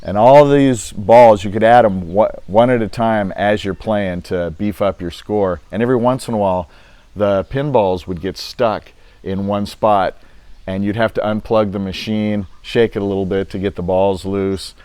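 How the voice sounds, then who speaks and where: A man's voice: fairly low pitch, normal speed, dark tone, clean tone, dry recording. An older man, recently retired, talking casually to camera in a rambling, easygoing way with many fillers. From United States. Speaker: vlogger.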